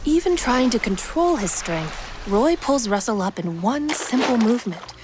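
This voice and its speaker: A woman's voice: fairly high pitch, sing-song, normal speed, noisy background. A woman reading scripted present-tense story narration for an action fiction podcast. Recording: prominent music bed under narration.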